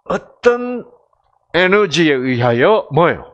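A middle-aged man giving a lively seminar lecture with jokes. He keeps asking the audience questions and acts out voices and cries. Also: a little high, takes it slowly, muffled recording. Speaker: health lecturer.

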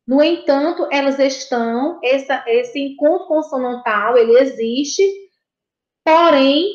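A woman's voice: sits high, unhurried. A Brazilian Portuguese woman teaching a recorded lesson to young children, patient and encouraging, repeating each point and praising answers. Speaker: primary school teacher. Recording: dull, echoey room.

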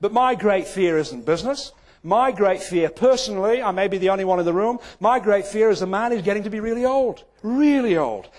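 Older man, deadpan after-dinner humour. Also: high voice. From England. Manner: dry deadpan delivery with timed pauses. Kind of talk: stand-up comedy presentation. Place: large banquet hall stage. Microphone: lapel mic.

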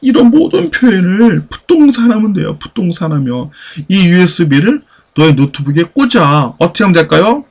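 A man teaching a basic English class, repeating phrases slowly and pushing students to answer. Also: high voice, big pitch swings, a little mellow. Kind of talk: classroom lecture.

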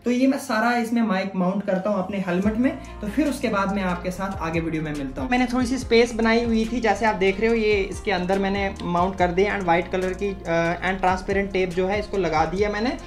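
A man's voice: high-pitched, brisk, few pauses. Young man, chatty step-by-step explaining, small room, faint music. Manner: chatty, explains step by step, mixes English words. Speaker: moto vlogger. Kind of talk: casual tutorial demonstration.

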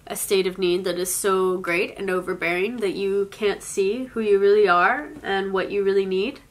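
Young woman in her twenties, tarot reader, sniffly from a cold, slow and reflective delivery. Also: medium pitch, fairly even intonation. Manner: soft, slow and reflective, with occasional small laughs. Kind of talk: spoken tarot reading. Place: indoors, in front of a floral blanket.

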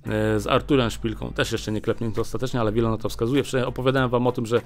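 A man in his thirties hosting a boxing news roundup in casual commentary, talking into a desk mic in a small studio and pausing often with filler sounds. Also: medium pitch, little pitch movement. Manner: chatty, many filler "e" pauses. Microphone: desk mic on a small stand.

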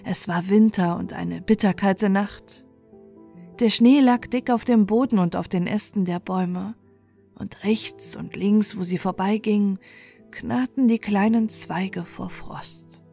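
A woman's voice: medium pitch, a little slow, gravelly, dark tone. A woman storyteller narrating a scripted bedtime fairy tale, with music playing behind her.

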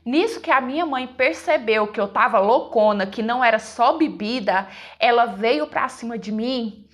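High-voiced woman telling an emotional story. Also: a bit bright. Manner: emotional, conversational, addresses listeners. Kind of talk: first-person dramatic storytelling.

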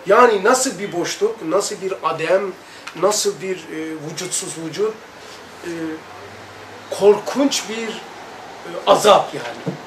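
A man leading a religious study circle, earnestly recounting a personal experience and reading aloud, acting out sounds with emphatic, drawn-out words. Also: sits high, expressive. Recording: echoey room, distant mic, light noise.

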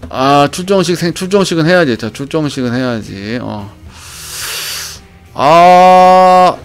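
A man in his thirties streaming live from a small room on a headset mic, loud and excitable, often laughing. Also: a little high, slow pace, faint music behind. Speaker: game streamer. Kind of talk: casual live-stream chat.

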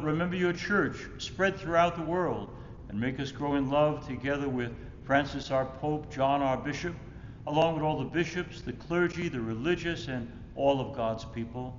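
A man in his sixties, a Catholic priest reciting Mass prayers solemnly in measured phrases, recorded at the altar of a church. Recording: echoey church reverb, muffled, rumbling noise.

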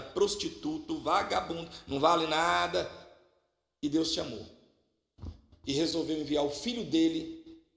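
A man preaching a lively, humorous sermon with a Minas Gerais accent, jumping from loud exclamations to quiet asides. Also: fairly high pitch, gravelly. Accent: Minas Gerais Portuguese. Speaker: pastor. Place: church hall. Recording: echoey church hall.

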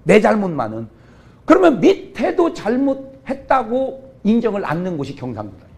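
A middle-aged man, a pastor, preaching a comic revival sermon, jumping from quiet asides to sudden shouts. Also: sits high, wildly swooping pitch, normal speed. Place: church revival meeting.

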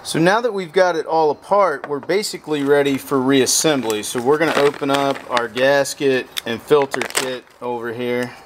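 A man's voice: mid-range voice, steady tone, moderate pace, few pauses, background noise. Man explaining a motorcycle fuel pump rebuild. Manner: plain, practical, talks while working with his hands. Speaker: motorcycle repair how-to host. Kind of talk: step-by-step repair walkthrough. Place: outdoors at a pickup truck bed workbench.

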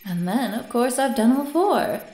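A woman acts a haughty woman scientist in an audio drama. Her high voice swoops widely as she lectures in a condescending, wordy, theatrical way. The sound is roomy and echoing. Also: animated, a little slow, dark tone, soft background music. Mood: lecturing, airy.

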